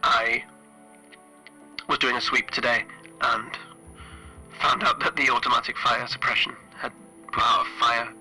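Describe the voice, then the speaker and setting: Stranded male ship's engineer, played by a man: weary, frightened, halting log delivery, very sharp flat-pitched voice, faint music behind. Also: rough recording. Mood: subdued, confessional. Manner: hesitant, halting, broken phrasing. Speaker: solo role-playing game player. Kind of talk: halting in-character audio log.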